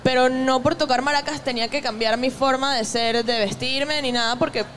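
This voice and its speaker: A young woman from Venezuela with a Venezuelan accent, a guest musician talking in a relaxed, reflective way with many restarts. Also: high voice, normal speed. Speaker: guest musician, maraca player. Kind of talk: casual conversation.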